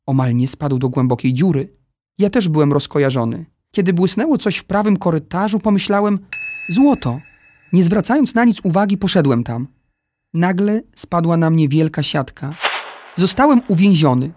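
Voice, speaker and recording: A man narrating a children's adventure story in the first person, with a lively storytelling delivery. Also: a little high, normal speed, a little hiss or hum.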